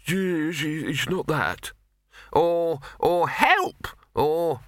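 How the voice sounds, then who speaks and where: A man voicing a singed alchemist who speaks in a dreamy, stunned, stammering way, soft and a little raised in pitch. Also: extremely slow, no echo, studio quality. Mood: flustered. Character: singed male alchemist, dazed and groping for words.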